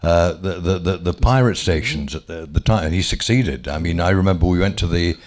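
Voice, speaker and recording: A man's voice: sits low, fairly quick, darkish tone. An older man being interviewed, reminiscing casually with frequent chuckles, hesitations and restarts. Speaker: former offshore radio DJ, guest.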